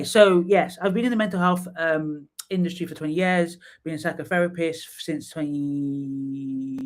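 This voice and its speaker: A woman, hosting a live stream in a casual, chatty way, full of fillers and restarts and quick to laugh. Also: fairly low pitch. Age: 30s. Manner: chatty, laughs easily, lots of fillers and repeats. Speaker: livestream host and psychotherapist. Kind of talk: casual livestream chat.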